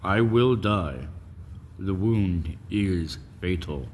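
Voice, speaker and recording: Man voicing a slow, grave, dying alien. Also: sits low, animated, a little mellow, big-room sound, a little hiss or hum, heavily acted. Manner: slow, grave, halting warnings. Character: dying male alien, solemn, wounded, wise.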